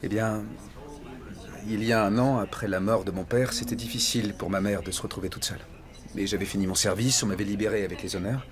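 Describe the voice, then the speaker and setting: Fields: a man voicing a polite ex-army driving teacher, low voice. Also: fairly even intonation, quick pace, a crowd in the background, natural voice. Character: courteous former army driving instructor. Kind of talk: French dub of a TV film.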